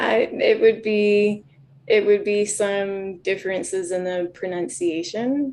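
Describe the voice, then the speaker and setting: Here a woman speaks with a western Canadian accent at a medium pitch. She talks at a very slow pace with fairly even intonation. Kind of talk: interview. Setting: video call.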